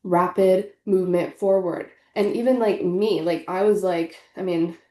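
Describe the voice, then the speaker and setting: A woman's voice: on the low side, steady tone, a little slow, mellow, reverberant. A young woman with a stuffy, congested voice, chatting casually and earnestly through a tarot reading, full of fillers. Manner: chatty, filler-heavy, earnest spiritual talk. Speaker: tarot reader.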